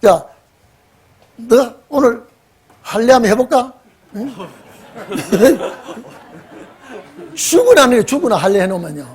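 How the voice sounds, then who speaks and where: A man's voice: extremely high pitch, big pitch swings, normal speed, long pauses. A man preaching, telling the story with acted dialogue and questioning the congregation. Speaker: pastor. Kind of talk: lively sermon with acted dialogue.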